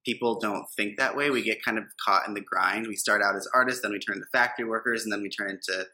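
A man's voice: on the low side, steady tone, quick pace, sharp tone. A man co-hosting a podcast, giving blunt motivational talk with some swearing. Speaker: podcast co-host. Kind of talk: casual chat.

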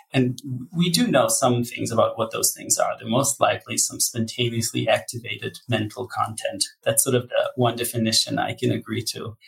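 Gravelly-voiced man explaining research, hedging. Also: mid-range voice, fairly bright tone, poor audio. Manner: hedging, candid, frequent ums and restarts. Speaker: psychology researcher guest. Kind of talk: thoughtful interview answers.

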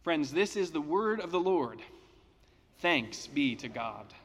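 Male pastor, slightly high voice, unhurried sermon delivery, long church reverb. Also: sing-song, a bit bright. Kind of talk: scripture reading and sermon.

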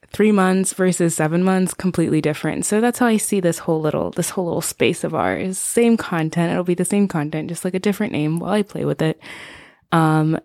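Podcast host, woman, 20s, American accent, Shona native. Low voice, dry close sound, playful rambling chat. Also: darkish tone, dry recording. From Zimbabwe. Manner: bubbly, playful, slangy and digressive. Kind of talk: casual rambling chat to listeners.

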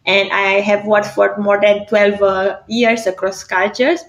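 A woman with a Romanian accent, a career coach answering interview questions with many pauses and fillers. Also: medium pitch, little pitch movement, muffled recording.

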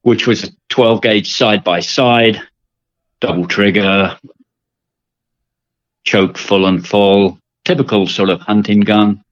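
A man's voice: lowish voice, fairly even intonation, slow pace, long pauses, no echo, muffled recording. An older man from England with an English accent, talking through his story as a guest with lots of fillers and repeated words. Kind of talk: casual interview.

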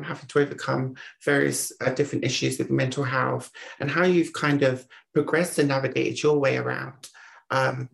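A man's voice: mid-range voice, creaky. A man hosting an interview podcast, asking long, rambling questions in an upbeat way. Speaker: podcast host. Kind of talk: casual interview talk.

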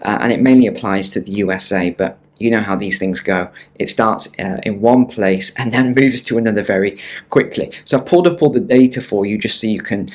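Low-voiced man vlogging from a small room. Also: fairly quick. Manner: chatty, wry, conversational. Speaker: online video presenter. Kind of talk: casual explanatory news commentary to camera. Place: small room in a beach bungalow.

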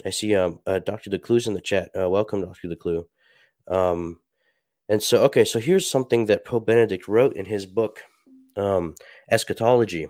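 Low, stuffy-sounding man speaking softly. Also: dry recording, studio quality. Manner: soft-spoken, halting with many fillers. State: stuffy, a little sick. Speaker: podcast host. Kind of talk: reflective solo talk and reading aloud.

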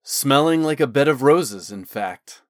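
A man's voice: mid-range voice, lively intonation, unhurried, a bit bright, no room sound, clean studio sound. A man voicing a teasing, smug but fond male guardsman in an audiobook, with a wry way of talking. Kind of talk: audiobook character dialogue.

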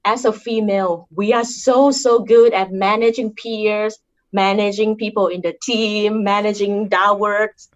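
A woman's voice: medium pitch, fairly even intonation, measured pace. Woman, thai accent, earnest advice-giving guest, dull lo-fi recording. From Thailand. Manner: earnest, repeats points with tag questions. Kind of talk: interview, sharing career advice.

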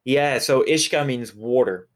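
Here the whiskey distillery representative from Galway speaks slowly at a medium pitch, his west of Ireland accent plain. He's an interview guest, talking things through in a conversational manner.

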